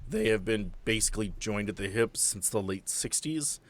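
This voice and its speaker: A man's voice: lowish voice, lively intonation, moderate pace, crowd noise. A man chatting casually as game master and host of a tabletop podcast.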